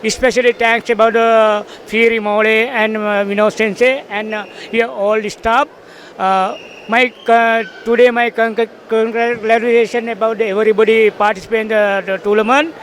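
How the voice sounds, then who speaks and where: A man's voice: high voice, flat delivery, moderate pace, fairly bright tone. A man from Sri Lanka, a karate tournament organizer, speaking broken English with many fillers. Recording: faint outdoor street noise.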